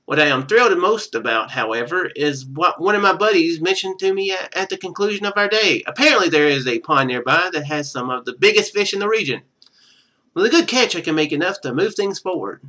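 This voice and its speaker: Male streamer as ruined trader narrating his game journal: earnest, bright, animated, slightly high. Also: brisk. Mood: earnest, hopeful. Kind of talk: reading a journal aloud in a game.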